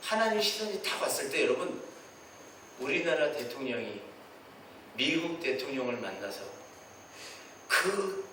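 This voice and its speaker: A man preaching a Sunday sermon as senior pastor, animated, acting out prayers and God's replies in quoted voices. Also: fairly high pitch, slight background noise. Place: church sanctuary. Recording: distant mic in a very echoey church hall.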